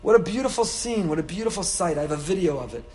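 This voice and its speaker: A man's voice: high-pitched, fast, soft background music. A man with a Yiddish-inflected American Orthodox Jewish accent gives an impassioned, rhetorical sermon as a rabbi, sprinkling in Yiddish and Hebrew and repeating phrases for effect. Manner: animated, rhetorical repetition, peppers speech with Yiddish and Hebrew. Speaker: rabbi giving a Torah lecture. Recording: reverberant hall.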